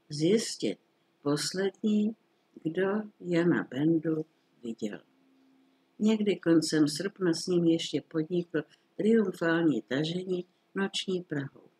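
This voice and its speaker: Husky-voiced man reading a classic story. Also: on the high side, darkish tone, rough recording. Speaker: audiobook reader. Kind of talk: literary storytelling.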